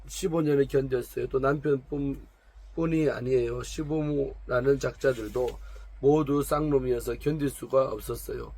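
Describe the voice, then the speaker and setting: A man's voice: mid-range voice, steady tone, moderate pace, a little mellow, lightly acted. A man reading aloud the lines of a proud, complaining woman of 45 from a noble family. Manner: complaining, defensive, pleading.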